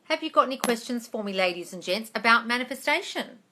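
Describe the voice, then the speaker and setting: A woman in her forties chats casually on a livestream, close to her phone. Her voice is very bright and a little high. She answers questions informally, speaking straight to her listeners with pet names. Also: expressive, quick pace, a little hiss or hum. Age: 40s. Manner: chatty, informal, calls listeners darling and guys. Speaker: manifestation coach hosting a live Q&A.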